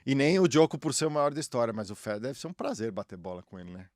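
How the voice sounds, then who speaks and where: Middle-aged Argentine man with a Brazilian accent, slangy and rambling, mid-pitched, dry close mic. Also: big pitch swings, fast talker, darkish tone, dry recording. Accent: Brazilian Portuguese. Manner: slangy, rambling, frequent restarts. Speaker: guest, former tennis player. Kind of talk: casual interview chat.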